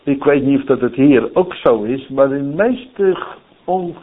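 A man's voice: mid-range voice, unhurried. A man preaching a sermon in a folksy storytelling way, often checking in with "hè?", who grew up in the Netherlands. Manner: folksy, lively storytelling with many "hè?" asides. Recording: tinny phone-like sound.

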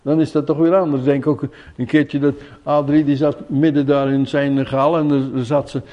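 A man's voice: a little high, flat delivery, moderate pace, lo-fi sound. A man preaching an informal sermon, reading Bible verses and commenting on them in a conversational way, often asking his listeners questions and repeating key words. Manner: says "hè?" often, drops to a hush for emphasis.

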